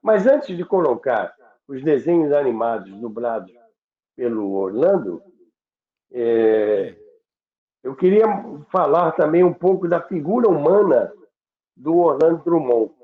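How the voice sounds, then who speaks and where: A Brazilian man hosting a reminiscing talk, halting and repeating words as he searches for them, on a roomy, dull recording. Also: a little high, lively intonation. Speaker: host of a radio history show.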